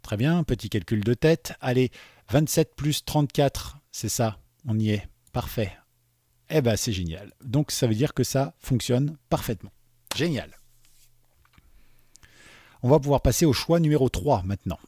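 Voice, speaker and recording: A coding instructor records his screen while teaching beginners, chatty and thinking aloud as he types, often asking "d'accord?". His medium-pitched voice is mellow and animated, a little slow, captured in clean studio sound with no room echo.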